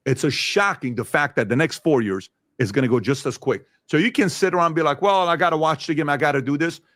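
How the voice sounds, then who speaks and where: A man's voice: fairly high pitch, quick pace, fairly bright tone, no echo, studio quality. A man in his forties giving a motivational business presentation in an emphatic, confident way. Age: 40s. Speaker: business owner presenting results.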